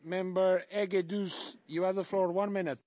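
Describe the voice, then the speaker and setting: A man with a high-pitched voice interprets for the session chair. He gives short, formal announcements that call on each speaker. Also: level tone, normal speed, darkish tone.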